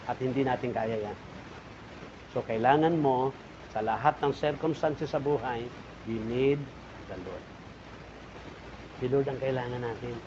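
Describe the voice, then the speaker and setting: Filipino pastor preaching with swelling emphasis. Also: male voice, medium pitch, muffled recording, background noise. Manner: preaching with rising and falling emphasis, repeated calls to the congregation. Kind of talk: sermon. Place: church.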